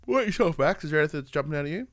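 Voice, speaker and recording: A man's voice: fairly high pitch, expressive, rapid-fire, dry recording, studio quality. A man co-hosting a casual gaming podcast, talking in a rambling, upbeat way with many fillers and restarts. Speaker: podcast co-host.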